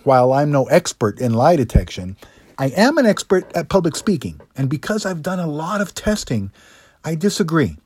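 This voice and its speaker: A middle-aged man presenting a scripted lesson as a speaking coach, in a practiced higher register with deliberate phrasing and rhetorical asides. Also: big pitch swings, a little mellow, slightly rough. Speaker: public speaking coach, host. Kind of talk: scripted instructional monologue.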